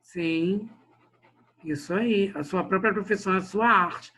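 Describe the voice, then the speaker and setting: A man's voice: high voice, measured pace, pushed and bright, slight background noise. A man teaching a literature lesson online, addressing the class directly and often checking in with short tag questions. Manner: tags sentences with "né?" and "olha só", addresses the class directly.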